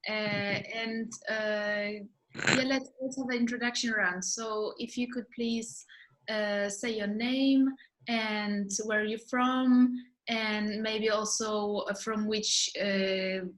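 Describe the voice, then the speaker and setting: A woman's voice: medium pitch, steady tone, slow pace, a bit bright. A woman leading an introduction round on a video call, hesitant and full of fillers. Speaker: moderator of introductions. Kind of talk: casual meeting facilitation.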